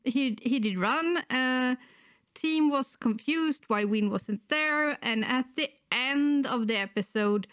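Her slow, high voice is fairly bright, clear and resonant, without echo. A wheezy, unwell middle-aged woman, she talks to camera casually and with hesitation as a reaction channel host, sitting close to a desktop microphone indoors in a small home room.

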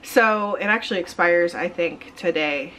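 A woman's voice: on the low side, measured pace, bright, forceful tone, a little hiss or hum, low-quality recording. A woman in her thirties talking casually at home, rambling with fillers and restarts as she walks through her shopping. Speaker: vlogger. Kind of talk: casual haul vlog. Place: home kitchen, indoors.

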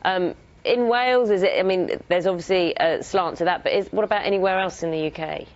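A woman from England hosts a breakfast TV sofa interview. Her questions are polished and steer the talk along. Her voice sits fairly low, and the broadcast audio is a little dull. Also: brisk. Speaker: breakfast TV presenter.

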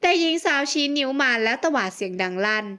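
A woman narrating a romance audiobook in a steady, expressive reading. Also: on the high side, fast, smooth. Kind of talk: scripted narration.

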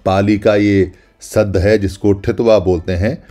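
Speaking as if he were the ancient caves, a man narrates a solemn, scripted documentary voice-over, deliberately naming each name in turn. His mellow voice is on the low side with fairly even intonation, and faint music plays behind him.

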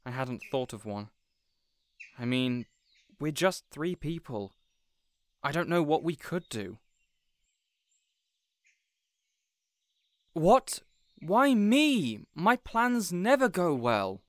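Man voicing weary male villain boss, audio drama, hesitant, exasperated, measured, very varied intonation. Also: on the high side, very animated, no echo. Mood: subdued, doubtful. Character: weary, reasonable young male supervillain boss. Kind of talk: scripted audio roleplay acting.

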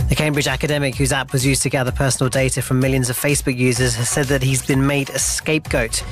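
Male newsreader, mid-range voice. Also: mid-range voice. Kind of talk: scripted radio news bulletin.

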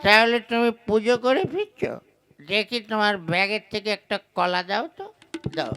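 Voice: mid-range voice, animated, normal speed, clean tone. A performer voicing a bullying, threatening ruffian puppet in a Bengali folk comedy. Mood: demanding. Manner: demanding, threatening, swearing. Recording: loud music behind the voice. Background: music.

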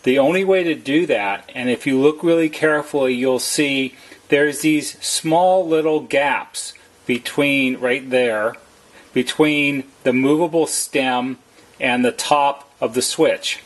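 A man with a slightly husky voice narrates a how-to as a service technician, explaining plainly and methodically, step by step. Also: mid-range voice, takes it slowly. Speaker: service technician giving a tutorial.

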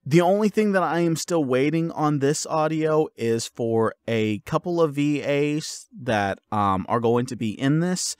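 A man giving his listeners a casual update as an audio creator, informal and halting as he thinks aloud. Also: a little high, smooth, no room sound.

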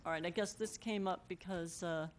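A middle-aged American woman, the mayor, chairs a council meeting in an informal manner, speaking into a gooseneck desk microphone in the council chamber. Her voice is on the low side with fairly even intonation and a moderate pace. There's a slight amount of background noise.

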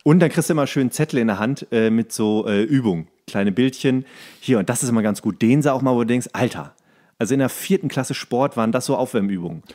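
Guy podcast host, medium pitch, grumbly exasperated rambling, casual and jokey. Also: quick pace, warm tone. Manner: grumbling, exasperated, acting out quoted dialogue. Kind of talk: casual comedic chat, storytelling.

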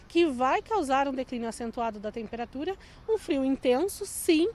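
A young adult woman meteorologist explaining the forecast in a measured way, speaking into a handheld mic outdoors on a city street. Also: sits high, animated, darkish tone. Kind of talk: live outdoor weather interview. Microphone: handheld reporter mic. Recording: faint outdoor street noise. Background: faint street traffic.

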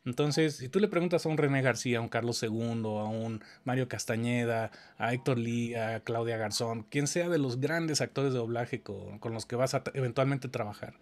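A man's voice: mid-range voice, moderate pace, hardly any pauses. A man, teaching in a casual conversation and explaining dubbing work patiently, often checking whether his listener follows. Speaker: audio engineering teacher.

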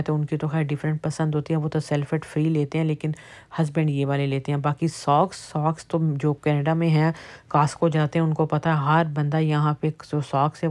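A woman's voice: low voice, a little mellow. A middle-aged woman from Pakistan giving a chatty running commentary on prices in a casual shopping vlog, filmed on a handheld phone in a large warehouse store. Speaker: vlogger.

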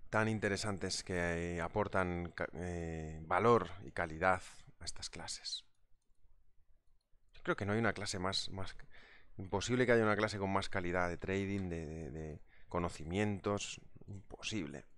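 Chatty man, smooth low voice. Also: fairly even intonation, moderate pace, a bit bright. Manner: chatty, reads out viewer comments. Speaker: trading instructor. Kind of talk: live market analysis webinar.

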